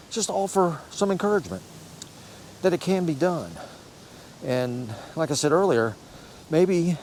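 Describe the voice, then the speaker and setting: This fitness channel host is a man in his sixties from the United States whose voice runs a little high, with slight background noise. Talking casually to camera, he rambles encouragingly and frequently corrects himself.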